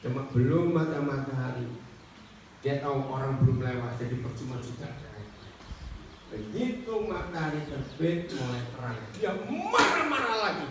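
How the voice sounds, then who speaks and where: A male preacher giving an animated sermon, telling a story and quizzing his congregation directly. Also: mid-range voice, normal speed. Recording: echoey hall from far off with faint noise.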